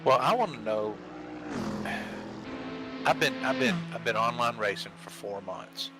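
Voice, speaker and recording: A man's voice: medium pitch, expressive, unhurried, music in the background. A man talking casually and folksily with fellow gamers over online voice chat, often repeating his phrases.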